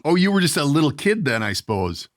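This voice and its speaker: A man's voice: on the high side, sing-song, quick pace. A man interviewing a guest as podcast host, in a loose, informal and colloquial way. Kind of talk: casual conversational interview.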